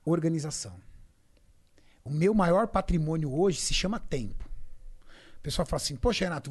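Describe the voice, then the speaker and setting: A middle-aged man from Brazil with a somewhat high voice, talking emphatically as an interview guest. He recounts his training life and acts out the conversations he quotes. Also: husky. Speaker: bodybuilding champion guest. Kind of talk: podcast interview storytelling.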